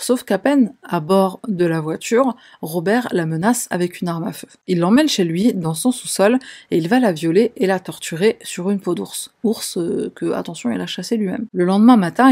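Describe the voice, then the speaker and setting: True crime narrator, female, slightly low voice, conversational storytelling with dry sarcastic asides. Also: moderate pace, warm tone, slightly rough.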